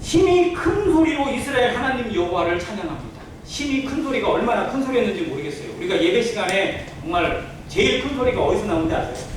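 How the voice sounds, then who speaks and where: A man's voice: high-pitched, very animated, fast, hardly any pauses. A man preaching as a pastor in a church sermon, earnestly explaining and putting rhetorical questions to the congregation. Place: indoor church sanctuary. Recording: very echoey church hall, distant mic, faint noise.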